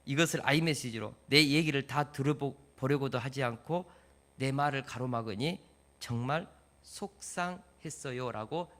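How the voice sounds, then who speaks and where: A male pastor preaching a sermon, lively, asking the congregation questions and acting out everyday dialogues as examples. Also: fairly high pitch.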